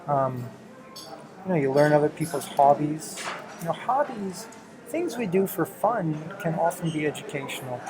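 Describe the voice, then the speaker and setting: A man's voice: on the high side, expressive, moderate pace, crowd noise, poor audio. A middle-aged man chatting casually and encouragingly with his teenage child as the host of a home video. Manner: encouraging, affirms often with "right" and "exactly".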